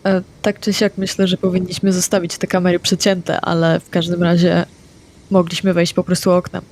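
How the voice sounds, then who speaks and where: A woman's voice: on the low side, completely flat delivery, normal speed, darkish tone. A woman talking casually as a player in a tabletop roleplaying game.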